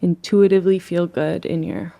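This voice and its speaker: A woman leading a guided relaxation as a meditation teacher, speaking in a soothing, gentle and unhurried way. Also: on the low side, fairly even intonation, vocal fry.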